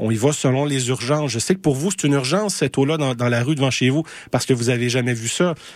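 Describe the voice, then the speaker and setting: A man with a Quebec accent talks very fast at medium pitch with ordinary pitch variation. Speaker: radio host. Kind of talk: casual radio commentary. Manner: hesitant, many fillers.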